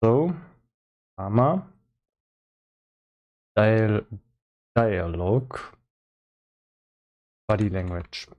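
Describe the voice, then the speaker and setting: A man giving casual live-stream commentary as he works on a game, thinking aloud in a halting way with repeated words. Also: on the low side, expressive, highs cut off. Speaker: solo game developer streaming.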